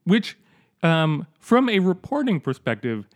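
A man co-hosting a podcast, making dry deadpan jokes in casual comedic chat. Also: high voice, measured pace, no room sound. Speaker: podcast co-host.

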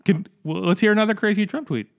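A man co-hosting a podcast, making dry deadpan jokes in casual comedic chat. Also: high-pitched, quick pace, vocal fry, no room sound. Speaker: podcast co-host.

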